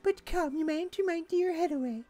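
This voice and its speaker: Man doing an old woman mystic voice, solemn, very high, mellow tone, dry sound. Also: a little fast, no echo, faint music behind. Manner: solemn, portentous delivery. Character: mysterious old woman keeper of myths. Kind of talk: dubbing game dialogue aloud.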